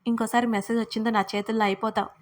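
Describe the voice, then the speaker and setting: A woman's voice: a little high, flat delivery, very fast, close to an everyday voice. A woman voicing a hot-tempered young college man who scolds curtly in a storybook reading. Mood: threatening. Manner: curt, scolding.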